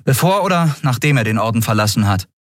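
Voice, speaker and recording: A man's voice: medium pitch, expressive, quick pace, no room sound, studio quality, pitched above the performer's own voice, natural voice. A man voicing a stern, blunt woman who demands answers.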